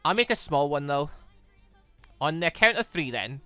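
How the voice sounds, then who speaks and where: A woman's voice: sits low, normal speed, smooth, no room sound, soft background music. A young woman streaming a visual novel, reading the lines aloud and chatting about the story. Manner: chatty, animated, reads character lines in her own voice. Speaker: let's play streamer.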